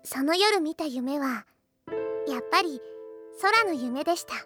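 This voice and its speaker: A woman's voice: sits high, expressive, unhurried, over music. A woman playing a cheerful, eager, earnest young girl learning magic in a Japanese anime audio drama, with a sweet childlike manner. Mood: gentle, reflective.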